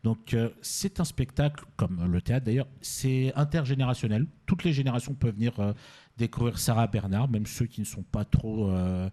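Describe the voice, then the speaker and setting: A man's voice: mid-range voice, normal speed, warm tone. A man hosting a radio show in a casual, teasing way, often rambling and correcting himself. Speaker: radio host. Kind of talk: casual, jokey radio presenting.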